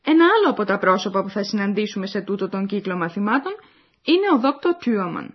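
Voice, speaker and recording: A woman's voice: mid-range voice, very animated. A woman reading the scripted narration of a language course, explaining and addressing the listeners. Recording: dull lo-fi recording.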